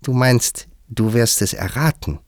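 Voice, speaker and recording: A man voicing a cheeky, mischievous hare in a high, drawn-out, teasing voice. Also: dry recording, studio quality, natural voice. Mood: mocking. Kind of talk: audiobook character voice.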